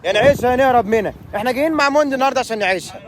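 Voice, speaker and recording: A man with an Egyptian accent, hosting a boat trip vlog outdoors at sea, loudly teasing and urging people on. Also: extremely high pitch, very fast. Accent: Egyptian Arabic. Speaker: tour host.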